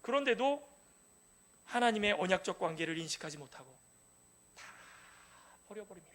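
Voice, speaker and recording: A male pastor preaching an impassioned sermon, swinging between loud cries and hushed pleas in a church. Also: sits high, sing-song, moderate pace. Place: church sanctuary.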